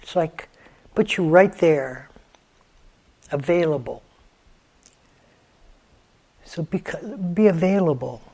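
A man in his seventies leading a guided meditation, gentle and unhurried, with long pauses between phrases. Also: on the high side, lively intonation, vocal fry, slightly rough. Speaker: meditation teacher.

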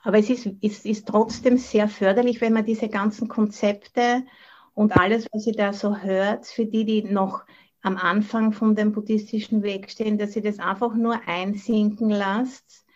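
A woman's voice: medium pitch, flat delivery, moderate pace. A middle-aged woman with an Austrian German accent gives an informal dharma talk as a Buddhist teacher, dropping English words into her German. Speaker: Buddhist nun and meditation teacher. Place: online video call from the monastery. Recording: dull, band-limited video call audio.

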